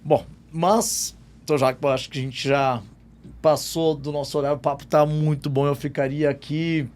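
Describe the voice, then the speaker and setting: A chatty man with a slightly high voice hosts a podcast interview. He was born in Jordan and raised in southern Brazil, and he talks casually, laughing often and correcting himself as he goes. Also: little pitch movement, normal speed, a little mellow. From born in Jordan, raised in Rio Grande do Sul. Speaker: podcast host, law professor.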